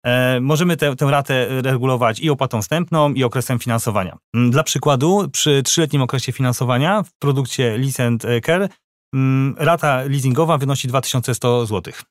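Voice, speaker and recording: A man's voice: mid-range voice, normal speed, dry recording, clean studio sound. A man who represents a financing company in a discussion, agrees readily and explains the options. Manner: agreeable and explanatory, often confirms. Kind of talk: conversational discussion.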